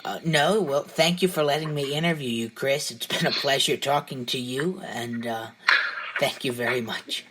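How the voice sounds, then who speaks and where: A woman's voice: rumbling low, normal speed, a bit bright, a little hiss or hum. A woman hosting a podcast interview who thanks her guest and closes the show in a friendly way. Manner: friendly, brief affirmations. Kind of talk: interview wrap-up and sign-off.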